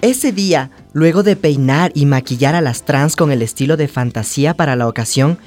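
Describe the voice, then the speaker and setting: Woman acting young trans woman in a radio drama, kinda low voice, earnest n hopeful, soft music under. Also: normal speed, natural voice. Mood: earnest, nostalgic. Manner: earnest, storytelling. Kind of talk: radio drama narration and dialogue. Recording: music bed behind the voice.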